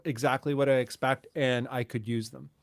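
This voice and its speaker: A man's voice: medium pitch, fairly even intonation, moderate pace, creaky, no echo. A man in his late forties, a guitarist chatting casually on a live stream, joking and self-mocking. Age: 40s. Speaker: guest guitarist. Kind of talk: casual chat.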